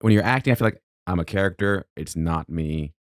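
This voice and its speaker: A man's voice: low voice, a little fast, no room sound, studio quality. A man who acts and does stand-up, chatting easily as a podcast guest, often restarting his sentences. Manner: easygoing, stumbling restarts, laughs often. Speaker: guest, actor and comedian. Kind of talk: casual comedy chat.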